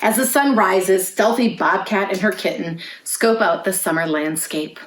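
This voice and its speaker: A woman hosting a children's storytime, reading aloud in clear phrases and putting questions to young listeners. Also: mid-range voice, measured pace, slight background noise. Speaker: children's librarian, storytime host. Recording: roomy, echoey indoor sound.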